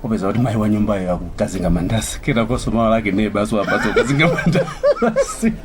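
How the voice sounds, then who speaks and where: A man's voice: lowish voice, fast talker, very noisy, close to an everyday voice. A man with a Malawian accent playing a jokey, bantering young college student in a radio drama. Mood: explaining. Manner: bantering, animated. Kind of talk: vernacular radio drama acting.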